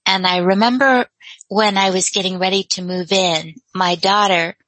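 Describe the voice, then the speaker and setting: A woman calling in to a radio talk show, her voice bright and clear. She speaks reflectively and laughs lightly between thoughts. The sound is dry and close. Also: medium pitch, fairly even intonation, moderate pace, dry recording, poor audio. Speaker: caller.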